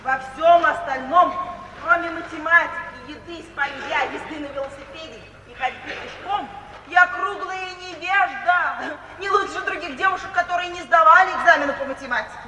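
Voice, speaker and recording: No-nonsense young graduate, decisive, self-assured, radio play delivery, distant reverberant old recording, faint hiss. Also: female voice, extremely high pitch, normal speed, pushed and bright. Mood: brisk, frank. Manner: matter-of-fact, decisive, bluntly insistent. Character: brisk, self-assured, unsentimental young woman, newly graduated. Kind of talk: 1950s Russian radio play acting.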